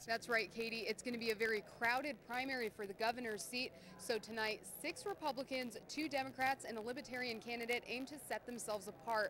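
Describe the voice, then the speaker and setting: With an American accent, a woman speaks at a fairly quick pace with hardly any pauses, a fairly high pitch and ordinary pitch variation, over noticeable background noise. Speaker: TV news anchor and reporter. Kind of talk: TV news read.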